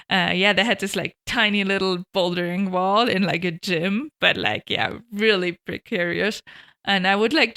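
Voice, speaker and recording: A woman's voice: mid-range voice, pushed and bright, clear, resonant tone. A young woman from Switzerland and Germany, telling her story as an interview guest with many "like" fillers. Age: young adult. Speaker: guest, alpinist and guide. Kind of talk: casual interview chat. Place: hotel room.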